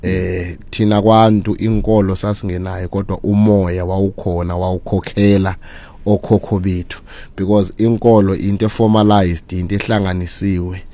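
A South African man with a low, flat, mellow voice greets radio listeners formally. He recites long lists of names and praise names, then teaches steadily about spirit and religion. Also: moderate pace.

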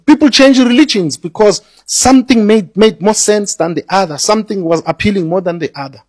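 A man with a high, husky voice teaches earnestly as a studio guest on the radio. He repeats words as he builds each point and mixes in Zulu phrases, and the sound is close and dry. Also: fairly quick, darkish tone, no echo.

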